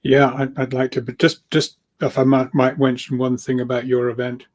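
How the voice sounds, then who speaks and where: A man's voice: medium pitch, flat delivery, moderate pace. A man speaking as an interview guest, explaining at length in an earnest, enthusiastic way, often repeating words and restarting.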